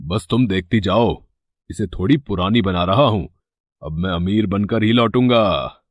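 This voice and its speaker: A man's voice: lowish voice, a little slow, no echo, lo-fi sound. A man voicing a greedy, scheming elder brother in a cartoon story, wheedling and putting on fake tears. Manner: wheedling, fake-weeping, then panicked. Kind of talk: cartoon voice acting.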